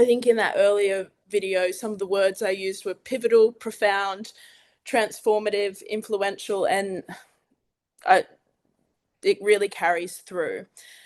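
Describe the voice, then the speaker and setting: A woman with an Australian accent speaks at medium pitch and a fairly slow pace. Her intonation is monotone and flat, with long, frequent pauses. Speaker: nursing student. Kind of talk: webinar talk.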